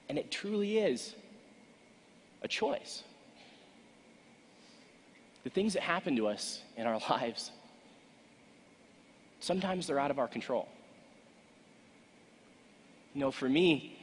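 A man in his twenties giving an earnest, emphatic motivational keynote speech to an audience, with deliberate pauses. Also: a little high, breathy edge. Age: 20s. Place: large conference stage indoors, seated. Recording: echoey hall with long reverb.

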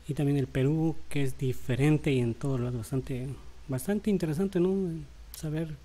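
A man, chatting through a reaction video in a halting way with frequent tag questions. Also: a little high, mellow. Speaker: vlogger reacting to rap battle. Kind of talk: casual reaction commentary.

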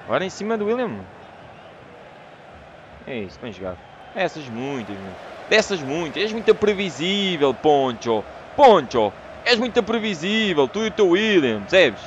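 A man with a European Portuguese accent giving excitable, shouting commentary while playing a football game. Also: fairly high pitch, moderate pace, lo-fi sound, noisy background. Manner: excitable, shouts at the game, calls players by name. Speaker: gamer. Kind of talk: gameplay commentary.

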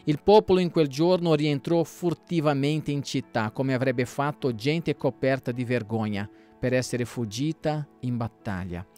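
A man, a pastor, reading scripture aloud in a steady, measured way. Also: medium pitch, soft background music. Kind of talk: Bible reading.

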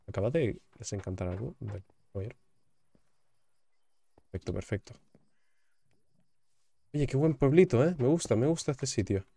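A man's voice: mid-range voice, lively intonation, moderate pace, creaky, pauses often, dark tone, slightly rough. A young man, chatting casually while playing a game and repeating words as he reacts. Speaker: gaming YouTuber. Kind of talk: casual gameplay commentary.

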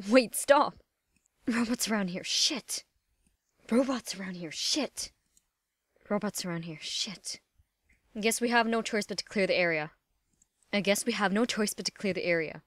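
A woman's voice: mid-range voice, fairly bright tone, no echo, close to an everyday voice. A woman acting a tough, determined young female adventurer in amateur cartoon audition lines. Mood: urgent.

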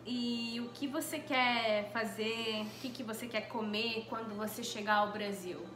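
A woman's voice: fairly high pitch, steady tone, unhurried. A young woman with a Brazilian accent, reading out questions in a casual chat, recorded in a living room. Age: young adult. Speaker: interviewer reading viewers' questions. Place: small living room, on a couch. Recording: echoey room with light background noise.

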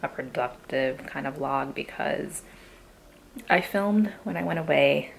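A young woman with a raspy morning voice, chatting casually to her camera from a hotel room. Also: low voice, a little slow, slight background noise, poor audio. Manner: chatty, filler-heavy, rambling. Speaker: vlogger. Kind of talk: casual vlog chat.

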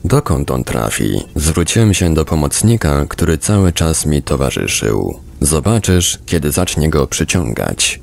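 A man's voice: very deep voice, creaky. A man reading a book aloud as scripted narration for a podcast. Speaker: audiobook reader, podcast narrator.

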